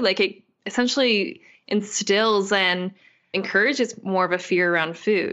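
A woman with an unremarkable speaking voice talks at a moderate pace and a medium pitch. Her loudness stays very even, with ordinary pitch variation. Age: 20s. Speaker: holistic nutritionist and emotional eating coach. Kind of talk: casual interview chat.

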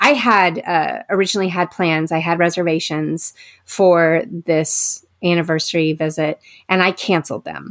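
Using a normal speaking voice, a woman with a fairly low pitch keeps a moderate pace and fairly even intonation. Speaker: podcast host. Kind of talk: casual chat.

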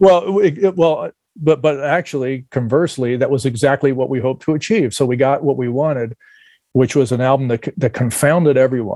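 A man with an American accent, fairly high pitch and a dark, mellow tone, ordinary pitch variation and a fairly quick pace, in a dry, close sound with no echo. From New Jersey. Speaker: musician and producer. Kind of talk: interview.

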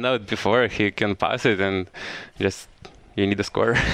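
A man is speaking. Background noise is noticeable. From Belarus. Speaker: professional hockey player. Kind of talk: interview. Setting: studio. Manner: halting.

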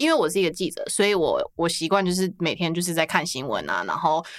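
The speech moves at a very fast pace. The recording is very clean with a silent background. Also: woman. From New Zealand and Taiwan. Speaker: journalist and media founder. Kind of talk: casual chat.

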